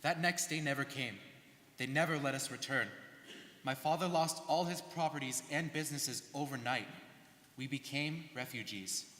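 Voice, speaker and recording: A man's voice: medium pitch, normal speed, sharp tone, lightly acted. A young man, a student performer, giving an earnest, rehearsed stage narration of life stories. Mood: earnest recollection. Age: young adult. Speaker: student performer in a dramatic reading. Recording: echoey hall, live stage reading.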